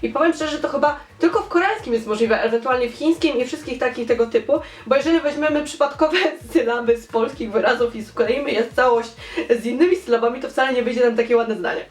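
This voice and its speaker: A woman's voice: fairly high pitch, quick pace. A young woman vlogger in casual chat, reading and discussing viewer comments with enthusiasm and repeating words for emphasis. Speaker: fan theory vlogger. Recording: echoey room.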